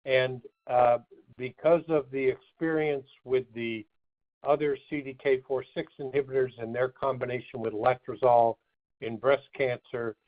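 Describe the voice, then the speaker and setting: A man giving measured, halting technical answers as a chief medical officer on a muffled phone conference call. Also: medium pitch, steady tone. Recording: muffled narrow phone line.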